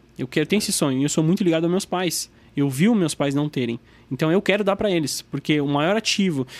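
Speaking at a fairly quick pace, a man with a fairly high pitch shows ordinary pitch variation in a dry, close sound with no echo. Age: young. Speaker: company co-founder. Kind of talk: interview.

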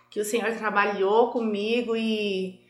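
Music plays in the background as a woman speaks at a fairly high pitch, with audible room echo. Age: 40s. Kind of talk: testimony.

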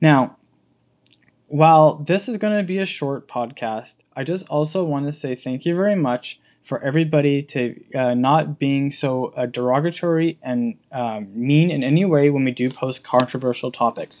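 At a moderate pace, the speaker talks with a slight Canadian accent in a very clean recording with a silent background. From Canada. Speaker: podcast host and blogger. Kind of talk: podcast introduction, monologue. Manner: casual, friendly, slightly halting.

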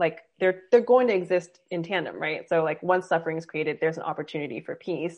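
A woman speaks at a fairly quick pace in a fairly low pitch. It is a plain, everyday voice. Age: 30s. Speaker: spiritual podcast guest. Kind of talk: casual chat.

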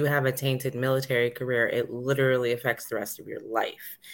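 A woman's very deep, low voice with a bright, sharp tone. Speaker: podcast host. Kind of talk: casual chat.

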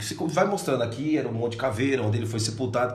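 A man speaks with audible room echo. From Brazil. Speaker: pastor and tour guide in Israel. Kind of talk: casual interview chat. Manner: halting, frequent word repetitions.

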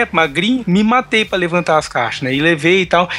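A man's high-pitched voice with ordinary pitch variation, music in the background. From Paraná, southern Brazil. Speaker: aviation worker. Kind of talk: casual chat.

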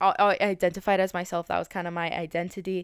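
In a very clean recording with a silent background, a woman speaks at a medium pitch in an American accent. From Colorado, US. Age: 19. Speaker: podcast host and college basketball player. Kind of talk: casual solo monologue. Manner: filler-heavy, frequent ums.

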